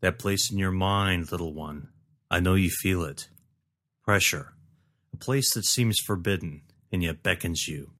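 A man's voice: low-pitched, measured pace, a bit bright. A man voicing a stern older father who teaches his son in solemn, commanding words.

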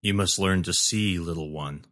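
A man's voice: deep voice, normal speed, a bit bright. A man voicing a stern older father who teaches his son in solemn, commanding words.

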